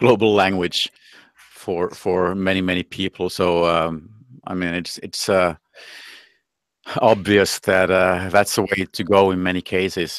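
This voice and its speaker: With a Finnish accent, a man speaks at a fairly slow pace in a very deep, low voice with fairly even intonation. The sound is dry and close with no echo, a very clean recording over a silent background. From Finland. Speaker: language teacher and show host. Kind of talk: casual chat. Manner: halting.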